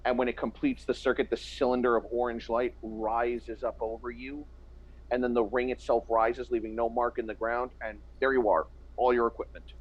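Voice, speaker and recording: A man narrating a tabletop game as game master, slowing down for descriptive passages. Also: mid-range voice, level tone, slightly rough, highs cut off.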